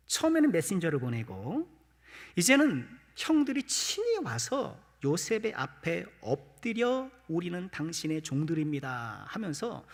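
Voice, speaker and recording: A male pastor preaching a Sunday morning sermon, questioning the congregation directly with light humor. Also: high voice. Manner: addresses the congregation with rhetorical questions, light self-deprecating humor. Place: church sanctuary. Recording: long church-hall reverb.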